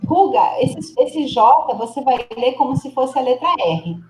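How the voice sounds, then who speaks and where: A fairly high-voiced woman teaches over a video call and sounds a little echoey in her room. She is a patient, encouraging Spanish teacher from Brazil. She models words slowly and repeats them for her student. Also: animated, noisy background. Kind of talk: online class, coaching a student's pronunciation.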